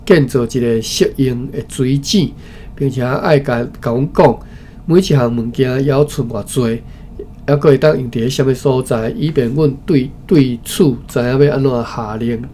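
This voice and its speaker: A man's voice: mid-range voice, dark tone. Taiwanese man reading aloud, noisy recording. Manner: halting, repeats and corrects phrases as reading. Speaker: presenter of a historical document study session. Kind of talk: reading a historical text aloud with informal asides. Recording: clearly noisy recording with background ambience.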